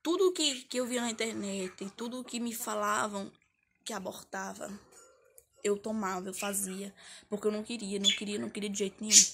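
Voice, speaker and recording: A woman's voice: medium pitch, fairly even intonation, moderate pace, creaky, fairly bright tone, slight background noise. Young woman, chatty confessional storytelling. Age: 20s. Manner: chatty, repetitive, emotional retelling. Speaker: vlogger. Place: her mother's house, indoors.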